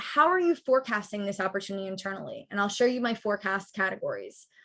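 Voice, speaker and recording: A woman is talking. Her pace is fairly quick. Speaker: customer success executive presenting a webinar. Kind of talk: webinar presentation. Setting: online webinar. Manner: fast.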